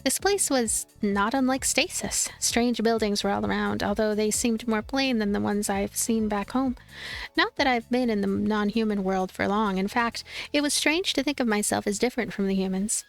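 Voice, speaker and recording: A woman's voice: medium pitch, normal speed, gravelly, soft background music. A woman hosting a let's play, reading and narrating a visual novel.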